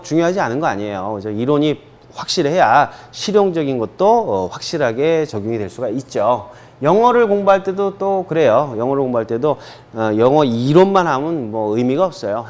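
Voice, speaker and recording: A man from South Korea teaching an English grammar lesson in Korean, checking in with listeners often and slowing way down to model English phrases for repetition. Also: fairly high pitch, a little mellow. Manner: drills students with frequent "그죠?" and slow English repeats.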